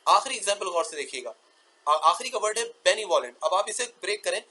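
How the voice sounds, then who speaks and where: High bright husky male grammar teacher. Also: expressive, low-quality recording. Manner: explains slowly, repeats key terms as questions; draws out example words slowly. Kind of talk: explaining grammar in a lecture.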